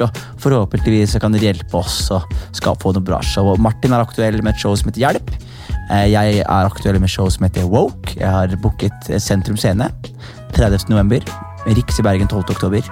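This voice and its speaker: A man's voice: lowish voice, a little mellow. A young man hosting a casual podcast, brash and joking, swearing freely and mixing English slang into his talk. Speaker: podcast host and comedian.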